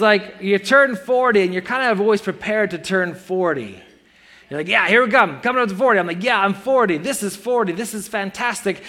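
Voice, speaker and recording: A pastor in his forties preaches a sermon in church in a high, bright, forceful voice. He is earnest and conversational, dropping in playful self-mocking asides.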